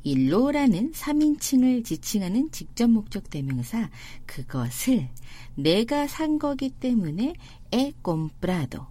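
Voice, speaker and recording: Husky lively teacher woman. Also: a little high. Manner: clear explanatory, slows to spell out example sentences. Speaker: Spanish teacher. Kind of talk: language lesson narration.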